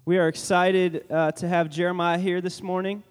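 High-voiced joking man making church announcements. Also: level tone, moderate pace, clean tone. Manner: joking and rambling, with many fillers and restarts. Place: church sanctuary. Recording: long reverb from a large church hall.

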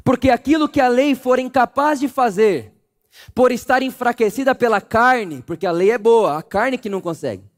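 A man's voice: extremely high pitch, moderate pace, long reverb tail. A man preaching a sermon with a Brazilian Portuguese accent, full of impassioned rhetorical questions. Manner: impassioned, rhetorical questions, acts out inner voices.

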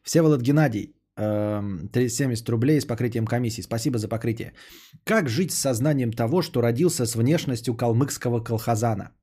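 A young man hosting a podcast, reading out donations and chatting casually, sarcastic and rambling, often trailing off into low mutters. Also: brisk, warm tone, husky. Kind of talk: casual stream chat.

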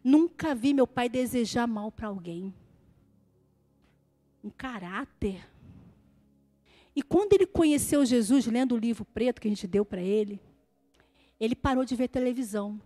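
Woman preacher, high voice, swings from hushed storytelling to shouted praise, faint music behind. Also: lively intonation, a little slow, long pauses. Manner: acts out other people's voices in quotes. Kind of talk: evangelical sermon.

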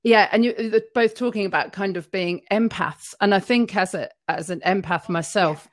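A woman's voice: medium pitch, normal speed. A woman hosting a podcast interview, encouraging and affirming her guest with frequent yeahs. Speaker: podcast host. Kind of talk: casual interview chat.

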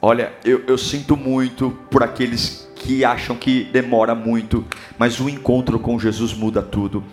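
A Brazilian man preaching a sermon, impassioned, building up to shouting. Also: mid-range voice, little pitch movement, moderate pace, few pauses, soft background music. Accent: Brazilian Portuguese.

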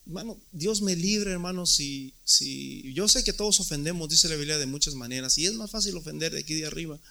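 A man's voice: fairly high pitch, brisk, creaky, bright, forceful tone. A man preaching a sermon as pastor, emphatic and often repeating words.

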